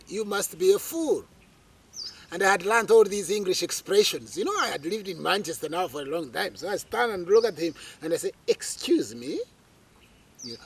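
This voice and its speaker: A middle-aged Ugandan interviewee narrates his life with animated drama and frequent fillers. His high voice carries a breathy edge. The audio, taken outdoors under a tree with a lapel mic, is poor.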